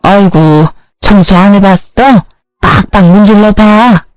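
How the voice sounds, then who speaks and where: A woman voicing an older mother briskly ordering her son-in-law around. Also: medium pitch, darkish tone, dry recording, natural voice, low-quality recording. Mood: bossy.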